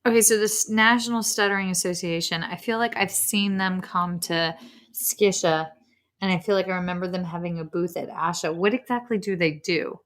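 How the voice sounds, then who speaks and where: A woman's voice: fairly low pitch, moderate pace, fairly bright tone. A woman hosting a podcast, asking questions in a chatty, self-deprecating way. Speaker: podcast host. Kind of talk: conversational podcast interview.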